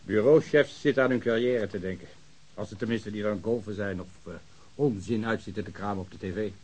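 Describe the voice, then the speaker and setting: A man's voice: on the low side, fairly quick, darkish tone, husky. A man playing an overworked, sardonic police ballistics technician who grumbles and complains in a radio drama. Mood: sarcastic.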